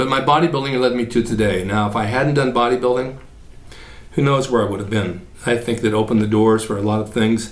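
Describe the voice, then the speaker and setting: Very fast male speech at a medium pitch, fairly even intonation and audible room echo. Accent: American. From California (Bakersfield). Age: 70s. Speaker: retired bodybuilder and YouTuber. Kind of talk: casual monologue.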